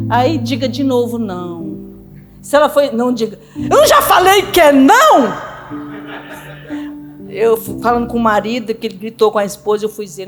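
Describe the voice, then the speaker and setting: A woman pastor, giving a conversational sermon in a church and often checking in with the congregation. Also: on the high side. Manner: conversational preaching, frequent "tá?" check-ins. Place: church sanctuary. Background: music playing.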